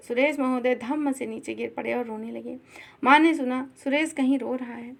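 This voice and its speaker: A woman narrating a classic short story aloud in a steady, expressive reading style. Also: high voice, creaky.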